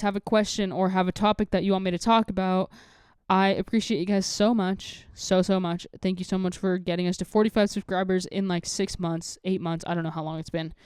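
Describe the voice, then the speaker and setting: A young woman in her late teens hosts a solo podcast, chatting in a smooth, clear, slightly mellow voice at medium pitch. Her candid, confessional delivery rambles casually and leans heavily on the filler "like." The recording is close and dry.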